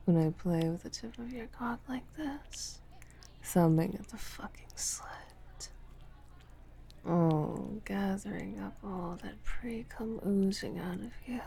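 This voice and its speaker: A woman playing a dominant, taunting lover in an intimate audio roleplay, mostly in a husky whisper with a slow, commanding delivery. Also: mid-range voice, warm tone, full character voice. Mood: teasing, commanding. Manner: slow, teasing, commanding, profane.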